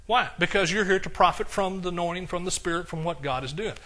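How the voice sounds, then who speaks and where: An older male preacher delivering a sermon in a bright, forceful voice that sits somewhat high for a man. He reads scripture with climbing emphasis, then drops into easy, conversational asides. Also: fast talker.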